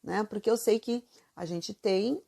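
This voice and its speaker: A woman's voice: medium pitch, a little slow, vocal fry, warm tone. Chatty Brazilian teacher woman, Santa Catarina accent. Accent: Santa Catarina Brazilian Portuguese. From southern Brazil. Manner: chatty, asks the viewer many questions, many fillers. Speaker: Italian teacher. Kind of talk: casual video lesson.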